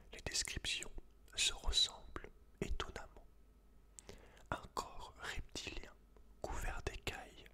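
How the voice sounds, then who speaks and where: A man whispering in an ASMR style, hushed and intimate, as a host chatting and reading aloud to one listener.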